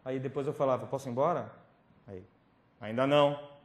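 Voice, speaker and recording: A male preacher telling a personal testimony at a youth camp, acting out scenes with sudden drops to whispers and loud pleading cries. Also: mid-range voice, brisk. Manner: dramatic storytelling, swinging from whispers to loud pleading. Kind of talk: testimony sermon. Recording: roomy hall recording with faint noise.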